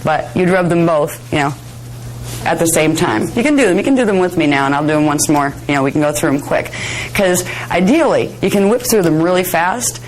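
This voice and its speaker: Slightly hoarse woman teaching a workshop. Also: lowish voice, a little hiss or hum, rough recording. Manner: conversational, chatty, self-deprecating asides. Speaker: workshop instructor. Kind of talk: informal workshop lecture with demonstration. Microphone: worn or held microphone close to the face.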